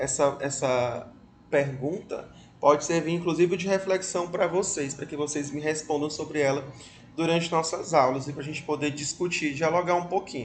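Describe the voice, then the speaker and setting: Here a man speaks in a Rio de Janeiro accent at a moderate pace. His pitch is fairly high and his intonation fairly even. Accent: somewhat Carioca (Rio de Janeiro) Portuguese. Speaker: school philosophy teacher. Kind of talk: video lesson for pupils. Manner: warm, affectionate address to students; halting with fillers and repetitions.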